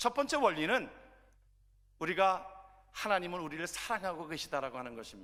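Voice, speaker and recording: A man's bright, sharp voice, high for a man, at a fairly quick pace. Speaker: pastor. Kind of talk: sermon.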